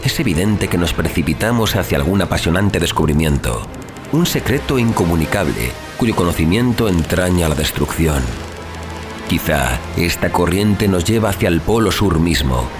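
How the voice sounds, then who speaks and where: A man's voice: deep voice, animated, moderate pace. A man playing an anguished young adventurer, narrating a horror sea tale in a theatrical, literary, intense style. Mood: awed dread. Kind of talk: dramatic horror audiobook narration. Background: music.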